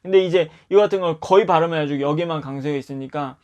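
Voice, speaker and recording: A man teaching English pronunciation, explaining tongue positions and repeating example words slowly to demonstrate. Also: on the high side, a little mellow.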